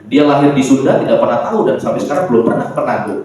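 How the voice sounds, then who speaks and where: A man from Indonesia, a pastor preaching a sermon in a church, lively and acting out the voices of the people he quotes. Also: medium pitch, rapid-fire, slight background noise. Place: church hall. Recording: echoey church from far off.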